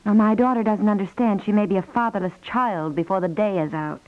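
A woman's voice: mid-range voice, fairly quick, phone-quality sound, close to an everyday voice. An actress playing a sensible, fussing wife and mother with a wry, chatty manner in 1950s radio comedy. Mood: wry exasperation. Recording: thin, band-limited 1950s radio recording.

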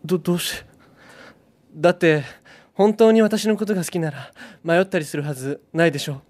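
A young man in his twenties voicing a young woman in a one-minute comedy sketch. She pleads softly with her boyfriend, then blusters back in a put-on Kansai dialect. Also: on the high side, fairly quick, lightly acted. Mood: pleading. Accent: put-on Kansai dialect in punchline. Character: young woman dumped by boyfriend, turns brash.

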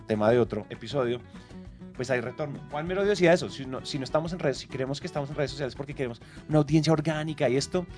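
A man co-hosting a business podcast, talking in a relaxed conversational way. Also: mid-range voice, rapid-fire, faint music behind. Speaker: podcast co-host. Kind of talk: casual podcast chat.

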